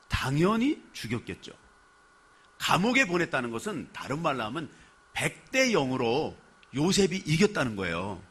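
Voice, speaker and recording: A male pastor preaching a sermon, telling the story with animated flair and putting questions to the congregation. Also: fairly high pitch, husky.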